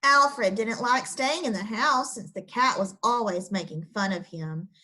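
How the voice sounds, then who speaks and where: A woman's voice: fairly high pitch, measured pace, pushed and bright, poor audio. A woman teacher explaining a lesson step by step to children, then reading a picture book aloud.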